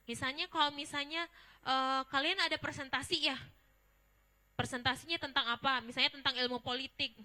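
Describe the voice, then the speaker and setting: A woman's voice: high voice, steady tone, brisk, pushed and bright. A young woman giving a casual public speaking workshop, chatty and informal, asking the audience questions.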